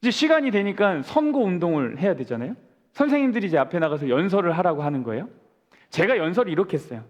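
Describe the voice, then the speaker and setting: A man's voice: high-pitched, very animated, fast, lo-fi sound. A man in his forties, a pastor preaching a sermon, telling a story and asking the congregation questions before answering them himself. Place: church sanctuary. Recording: long church-hall reverb.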